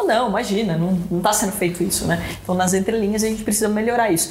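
A woman's medium-pitched voice amid noticeable background noise and audible room echo. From interior of São Paulo state, Brazil. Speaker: podcast host and entrepreneur. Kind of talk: interview.

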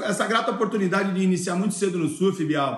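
A man is speaking. His pitch is high. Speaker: former pro surfer, father of guest. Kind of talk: interview. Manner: halting, hesitant.

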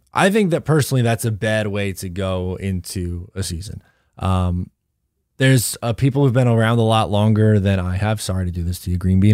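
A man with an unremarkable speaking voice talks at a moderate pace, his pitch fairly low with ordinary variation. The recording is very clean, with a silent background. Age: 20s. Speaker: podcast host and sports commentator. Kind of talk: casual solo podcast monologue.

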